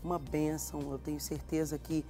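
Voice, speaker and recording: A woman's voice: sits low, level tone, fairly quick, mellow, soft background music. A woman host with a Mineiro accent, interviewing with affirming, sermon-like encouragement. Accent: Mineiro Brazilian Portuguese. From Minas Gerais, Brazil. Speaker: TV show host.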